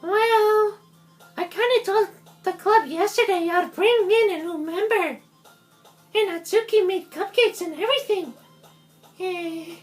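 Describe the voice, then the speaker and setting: A very high, squeaky schoolgirl, bubbly and airheaded. She is loud and excitable, like a game character, with faint music behind. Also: unhurried, long pauses. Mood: pleading.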